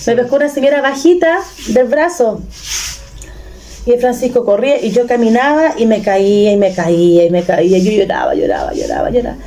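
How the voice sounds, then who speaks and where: A woman's voice: on the high side, very animated, fairly quick, warm tone, slight background noise. A Chilean woman in her thirties, casually retelling a personal story with emotion and many restarts. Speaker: vlogger.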